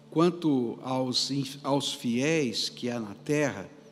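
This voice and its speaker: A man talks at a very slow pace. Behind him, there is music in the background. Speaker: pastor, preacher. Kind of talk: scripture reading aloud.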